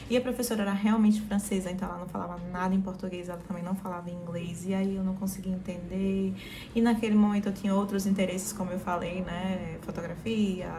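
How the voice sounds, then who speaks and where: A Brazilian woman in her thirties speaks in a soft, warm, mellow voice. She walks through her own experience in a casual vlog, often stopping to restart her sentences. Faint background noise hums under the recording. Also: medium pitch. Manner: relaxed, frequent fillers and restarts. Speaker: vlogger.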